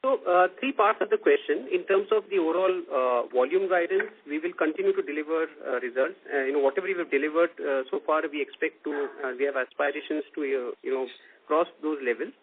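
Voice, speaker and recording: A man's voice: a little high, fast talker. A man speaking as a company executive, giving careful corporate answers on an earnings call with many filler phrases. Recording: noisy, clicking narrow phone line.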